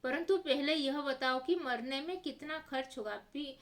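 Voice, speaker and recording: औरत की आवाज़ में कंजूस, चिढ़ा हुआ सेठ. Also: female voice, high-pitched, moderate pace, pitched above the performer's own voice, close to an everyday voice. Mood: stingy. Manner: exclaims loudly in short outbursts. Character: miserly middle-aged male merchant, penny-pinching and indignant.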